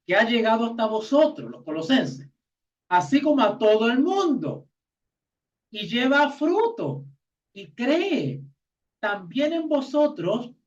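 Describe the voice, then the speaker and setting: Chilean man teaching a Bible class from afar. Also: high-pitched. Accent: Chilean Spanish. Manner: reads verses slowly, adds asides and checking questions. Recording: distant mic, dull lo-fi sound.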